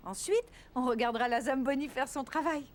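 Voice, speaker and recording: A woman playing a gentle, patient mother in a children's cartoon, speaking in a soothing, reassuring way. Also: high voice, brisk, heavy background noise, lightly acted. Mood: patient, kindly. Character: gentle, reassuring young mother of a small boy.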